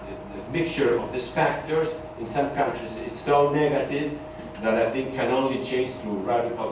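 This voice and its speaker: A man on a conference panel closing his remarks in an earnest, measured way. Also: medium pitch. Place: large conference hall. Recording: echoey hall, far mic, background noise.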